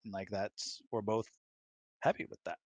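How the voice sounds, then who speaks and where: A man's voice: fairly low pitch, level tone, moderate pace, no room sound. A middle-aged man in a casual relationship chat, speaking informally and often acting out imagined quotes. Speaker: guest on spouse's hangout.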